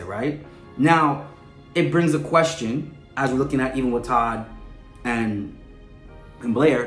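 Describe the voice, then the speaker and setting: A man hosting a podcast with casual, analytical commentary, conversational and often checking in with the listener. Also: medium pitch. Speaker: podcast host. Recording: echoey room with faint music.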